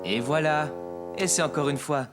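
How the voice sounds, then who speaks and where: A man voicing a patient, cheerful young father in a French children's cartoon, explaining things gently and encouragingly. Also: a little high, moderate pace, natural voice. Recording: loud music behind the voice.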